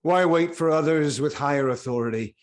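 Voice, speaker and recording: A man's voice: a little high, brisk, lightly acted. An actor playing a proud, commanding king in a Greek tragedy reading, speaking with stern, declamatory authority. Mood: resolute, protective. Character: proud, commanding king defending suppliants of his city. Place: online video-call reading.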